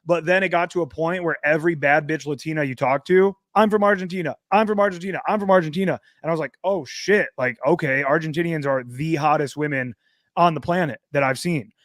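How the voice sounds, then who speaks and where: A man's voice: a little high, fairly quick, a bit bright, no echo, studio quality. An American man as an interview guest, chatting casually with slang and swearing. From United States. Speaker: interview guest, dating coach. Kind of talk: casual chat.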